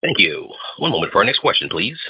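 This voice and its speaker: A man's voice: lowish voice, big pitch swings, fast talker, slightly rough. A man acting as conference call operator, making formal announcements to introduce each questioner. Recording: muffled conference call audio.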